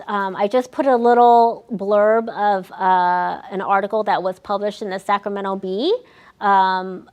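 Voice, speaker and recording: A young adult woman, a research staff member, gives an educational talk to older adults, explaining with frequent ums and restarts. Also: medium pitch. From United States. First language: Vietnamese.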